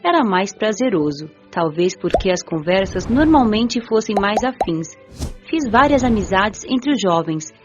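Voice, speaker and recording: An actress playing a gentle, curious young woman spirit who narrates her afterlife in a measured, earnest radio drama style. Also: medium pitch, sing-song. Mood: serene, reflective. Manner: measured, earnest, careful storytelling. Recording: muffled audio with music underneath.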